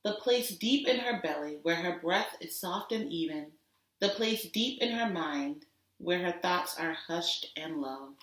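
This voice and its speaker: Woman, teacher reading to children, slow and deliberate, slightly low bright voice, expressive storybook delivery. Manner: deliberate, dramatic emphasis on sound words. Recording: roomy echo, distant microphone.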